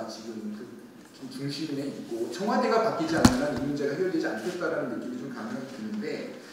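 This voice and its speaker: A man gives panel remarks in a deliberate, halting way, with many filler pauses between his thoughts. His voice sits a little high for a man. It is caught from a distance in a very echoey hall, with faint noise behind. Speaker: lawyer speaking as a panel discussant. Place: conference hall at a public forum. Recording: echoey hall, picked up from afar.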